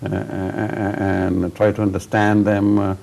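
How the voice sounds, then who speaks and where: A man hosting a television interview, asking questions in an unhurried way with many hesitations. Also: lowish voice, completely flat delivery, gravelly, a little mellow. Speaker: talk show host.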